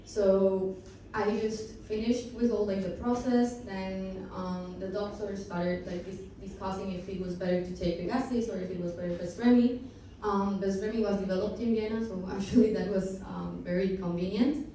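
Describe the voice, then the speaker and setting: A woman's voice: medium pitch, fairly even intonation, normal speed, dark tone, slight background noise. A woman, telling her personal story as a patient on a panel, chatty and full of fillers. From Costa Rica. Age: 20s. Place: conference hall. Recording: echoey hall from far off.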